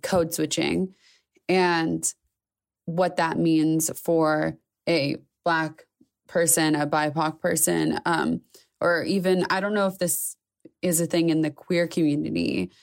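A woman co-hosting a podcast, speaking in a thoughtful, measured way as she raises a question to a colleague. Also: deep voice, steady tone, vocal fry. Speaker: podcast co-host. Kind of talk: casual podcast discussion.

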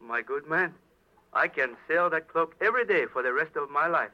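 An actor playing a smug, suave villain in a 1940s-style radio drama, talking in a precise, formal, mock-courteous way. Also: male voice, on the high side, moderate pace, natural voice. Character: suave, smug male Chinese crook, art-goods company president. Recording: dull old radio broadcast recording.

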